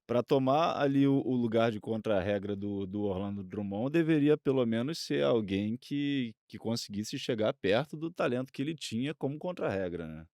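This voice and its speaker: A man's voice: medium pitch, lively intonation, normal speed, hardly any pauses, darkish tone, echoey room. A man with a Brazilian accent chatting casually as a podcast co-host. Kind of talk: casual conversational interjections.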